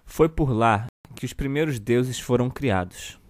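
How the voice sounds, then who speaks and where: A man with a Brazilian accent playing a children's TV uncle who reads a storybook slowly and deliberately to children. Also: medium pitch, no echo, studio quality, natural voice. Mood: storytelling. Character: children's TV show host uncle reading a satirical storybook. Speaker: storyteller host of a kids' show.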